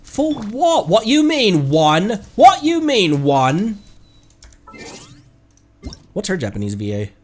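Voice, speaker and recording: A man's voice: high-pitched, wildly swooping pitch, takes it slowly, pauses often, a little mellow, faint music behind. A man giving casual, rambling live game commentary and chatting playfully with viewers. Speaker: game streamer, VTuber.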